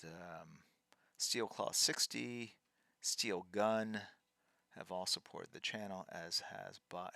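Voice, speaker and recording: A man in his fifties hosting a livestream, chatting casually while drawing and reading out viewer names in a halting, thinking-aloud way. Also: sits low, vocal fry, bright, forceful tone, no room sound. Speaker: livestream host.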